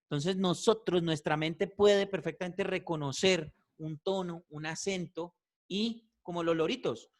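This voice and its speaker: A man teaching a voice class, animated and repetitive, checking in with "¿cierto?" often. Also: high-pitched, a little slow. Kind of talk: online class feedback.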